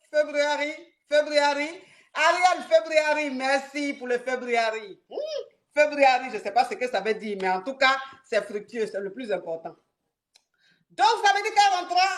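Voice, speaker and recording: A woman telling a dramatic story on a live stream, repeating phrases for effect and stopping to answer viewers. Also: sits high. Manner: animated, repetitive, dramatic retelling.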